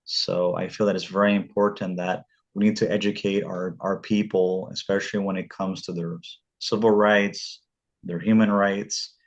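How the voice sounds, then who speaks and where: A man from Southern California hosting a casual podcast interview, talking in halting bursts and often repeating his words. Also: sits low, little pitch movement, muffled recording. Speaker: podcast host.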